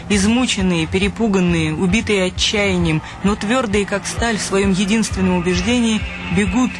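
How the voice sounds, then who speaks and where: High-pitched male radio drama narrator. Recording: music behind the voice.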